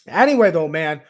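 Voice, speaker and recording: Raspy hoarse man chatting casually. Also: a little high. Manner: laid-back, many ums, calls viewers man and bro. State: hoarse, lost voice. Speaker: gaming vlogger host. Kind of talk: casual livestream chat.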